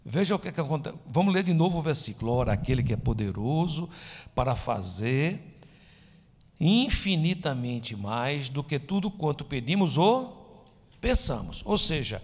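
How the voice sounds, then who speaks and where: A man preaching a sermon as pastor, moving between emphatic lines and soft, hushed ones. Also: fairly high pitch, big pitch swings, normal speed, in a large hall. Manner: emphatic preaching with sudden drops to soft, near-whispered lines. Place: church sanctuary.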